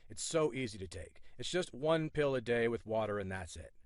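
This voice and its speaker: A man reading a scripted sales pitch in a smooth, reassuring salesman manner, from the United States. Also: lively intonation, moderate pace, dry recording, studio quality. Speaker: ad presenter.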